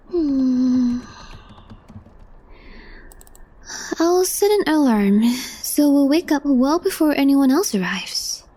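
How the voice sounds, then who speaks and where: A woman playing a calm, deadpan young female coworker with a hidden crush in a soft, breathy ASMR role play, gently teasing the listener. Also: sits high. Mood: composed, practical. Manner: cool, matter-of-fact, gently teasing.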